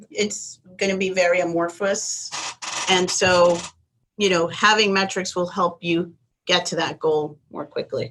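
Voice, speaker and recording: The speaker is a woman with a Spanish accent. Her pitch changes little from phrase to phrase. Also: medium pitch for a woman, fairly slow pace. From Venezuela. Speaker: tech leader. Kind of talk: panel discussion.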